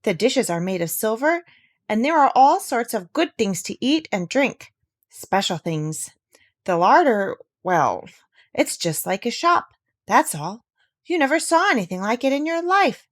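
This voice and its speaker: A woman voicing an excitable, gushing female duck in a storybook, chatty and emphatic. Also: high voice, unhurried, pitched above the performer's own voice. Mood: delighted, excited.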